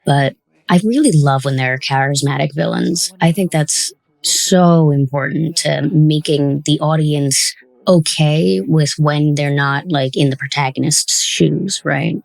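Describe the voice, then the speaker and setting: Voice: medium pitch, steady tone, measured pace, vocal fry, no echo. A podcast host in a casual interview and commentary, talking in a thoughtful, encouraging way as the show's creator.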